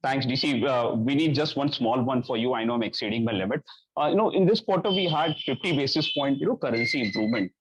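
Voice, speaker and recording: A man's voice: medium pitch, quick pace, breathy edge, no echo, rough recording. A man asking questions as an analyst on an earnings call, polite, hesitant and roundabout, over a conference line. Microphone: phone or conference call line.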